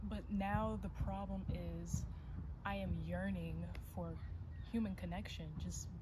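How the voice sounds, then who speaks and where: Speech moves at a moderate pace over loud background noise. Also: woman. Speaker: video blogger. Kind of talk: personal vlog monologue. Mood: reflective, calm, a bit vulnerable. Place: garden.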